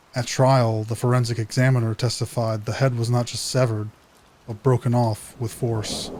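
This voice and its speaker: Soft-spoken and monotone, a man talks at a moderate pace and medium pitch over noticeable background noise. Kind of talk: true crime sleep narration.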